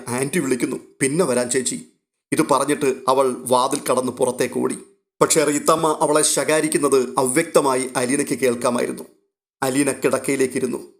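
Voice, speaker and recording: A man narrating a serialized novel in a steady, even storytelling manner. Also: mid-range voice.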